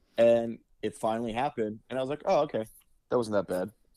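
A man's voice with a dark, mellow tone. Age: young. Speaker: band singer. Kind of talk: casual chat.

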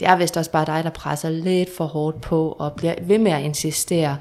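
This woman has a plain, everyday voice with fairly low pitch and a moderate pace. The recording is very clean, with a silent background. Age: 30s. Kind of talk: casual chat.

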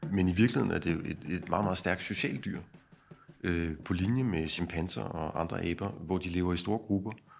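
With ordinary pitch variation, a man speaks at a moderate pace in a very deep, low voice. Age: 40s. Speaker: artist. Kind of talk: interview. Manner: halting.

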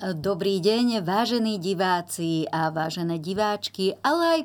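Speaking fairly slowly, a woman uses a medium pitch with ordinary pitch variation. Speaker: TV news reporter and podcast host. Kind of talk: moderated comedic political talk show. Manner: animated, teasing.

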